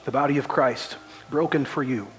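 A man's voice: mid-range voice, fairly even intonation, normal speed, faint music behind. A male pastor leading prayer and preaching, earnest, with frequent "uh" hesitations. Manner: frequent "uh" hesitations, earnest and lifts voice reading scripture. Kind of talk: sermon and prayer. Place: church sanctuary. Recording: reverberant church hall, faint ambience.

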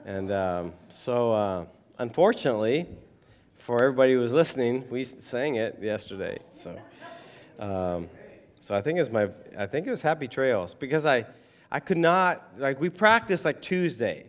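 Hoarse man preaching in a reverberant hall. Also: mid-range voice, sing-song, moderate pace. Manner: rambling, conversational, many fillers. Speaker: pastor. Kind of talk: casual sermon.

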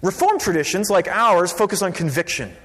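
Animated pastor in an echoing hall. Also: male voice, high voice, fairly quick. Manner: conversational, lively, drops to quiet for emphasis. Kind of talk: sermon. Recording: long reverb of a large hall.

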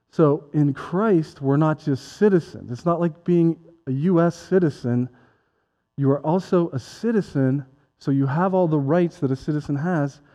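A male pastor delivers a casual, conversational sermon, tossing joking asides to people in the pews. His voice is warm and mellow, and the recording sounds a little dull and lo-fi. A long hall reverb trails behind every line. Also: mid-range voice.

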